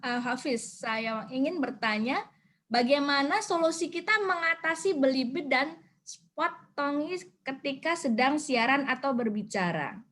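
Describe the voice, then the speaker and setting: A woman's voice: high voice, lively intonation, a bit bright. A young woman moderating an online discussion, politely reading out questions from the audience. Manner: reads questions politely, then a quick joking aside. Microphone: video call.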